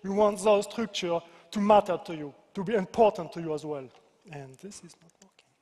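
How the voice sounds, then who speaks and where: A man's voice: high-pitched, brisk, darkish tone. French-accented man in a reverberant hall. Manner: playful, self-deprecating, joking asides. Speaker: senior game designer presenting. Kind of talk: conference presentation. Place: large convention hall.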